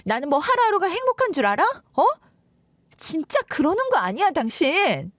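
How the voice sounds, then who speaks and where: A woman voicing an exhausted working mother who angrily scolds her husband in a story radio drama, with shrill, rapid-fire complaints. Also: wildly swooping pitch, bright, forceful tone, dry recording, exaggerated voice. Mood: angry scolding.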